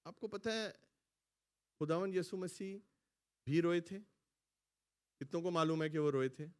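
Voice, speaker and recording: A male pastor preaching a sermon in a church hall, calling out lines for the congregation to repeat and swinging between loud exclamations and quiet asides. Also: on the high side, clear, resonant tone. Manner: preaching, has the congregation repeat phrases after him. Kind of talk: sermon with call-and-response.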